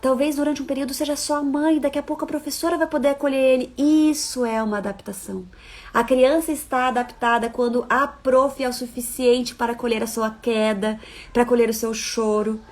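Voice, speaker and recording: A woman with a somewhat high voice gives parenting advice on a live stream. She talks expressively, easing into soft, reassuring tones, then pressing hard on her points. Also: a little fast. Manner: expressive, swings from soft coaxing to emphatic. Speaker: parenting educator.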